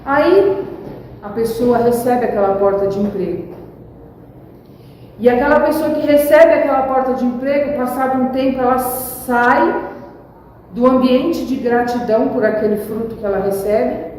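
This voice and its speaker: Woman pastor, sermon; warm, slightly high voice, distant echoey church recording. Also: normal speed, slight background noise. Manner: preaching with rising emphasis and acted examples. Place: church hall. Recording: echoey church hall from far off.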